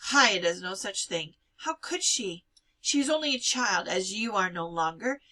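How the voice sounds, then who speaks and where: Lady reader doing bossy scolding aunt from a novel, sharp forceful voice. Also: mid-range voice, expressive, normal speed. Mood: scolding, indignant. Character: stern, scolding young aunt, forceful and practical.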